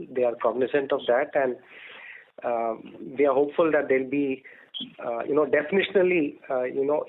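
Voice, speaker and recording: A man answering as a company executive on an earnings call, in measured, hedged corporate phrasing. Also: mid-range voice. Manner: hesitant, measured corporate phrasing with frequent "you know". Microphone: telephone conference call. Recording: tinny conference phone line.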